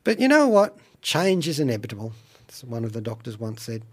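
A man presents chatty radio commentary in a medium-pitched voice. His delivery is wry and playful, with deliberate phrasing and little theatrical asides. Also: big pitch swings, breathy edge. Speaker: radio show host and reviewer. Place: radio studio.

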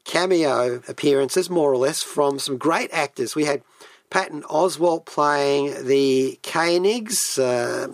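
Alone at the mic in a radio studio, a man delivers a chatty monologue full of geeky enthusiasm, rambling and tossing in frequent asides. He speaks slowly in a fairly high voice, and there's no echo.

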